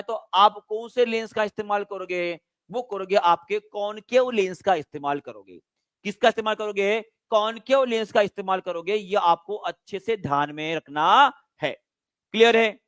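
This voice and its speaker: A man teaching a live online exam-prep class, drilling students repeated questions and quick checks. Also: high-pitched, fairly bright tone, no echo, clean studio sound.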